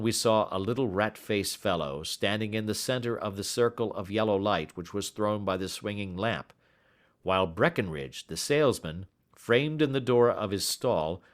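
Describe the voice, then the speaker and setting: A man narrating a classic story in an expressive reading voice. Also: on the low side, moderate pace. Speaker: audiobook reader.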